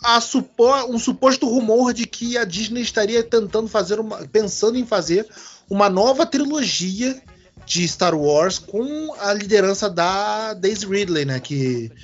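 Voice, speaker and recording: A man hosting a casual podcast chat, animated, swearing casually and restarting his words. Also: high-pitched, a little slow, highs cut off. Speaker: podcast host.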